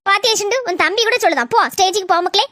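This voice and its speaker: A woman's voice: extremely high pitch, racing, pushed and bright. A woman voicing a fussy village auntie in a cartoon, coaxing and scolding in a chatty way. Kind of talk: cartoon voice acting. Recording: noisy soundtrack.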